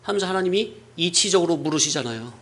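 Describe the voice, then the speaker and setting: A male pastor preaching a sermon, animated, with many rhetorical questions and chuckles. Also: fairly high pitch, fast talker.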